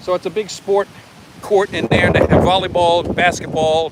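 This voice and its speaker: Amid noticeable background noise, a man with a Long Island accent speaks at a high pitch and a moderate pace. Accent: Long Island New York. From Long Island, New York. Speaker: real estate agent. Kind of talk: live-streamed walking tour. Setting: outdoors, walking in a park. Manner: casual, conversational.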